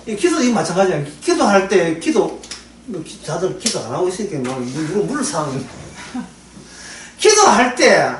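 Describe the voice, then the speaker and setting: Lively male pastor, casual lecture-sermon delivery, recorded off-mic in a roomy space. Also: sits high, moderate pace, slight background noise. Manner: lively, conversational, laughing often, acting out prayers. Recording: echoey room, voice from far off the mic.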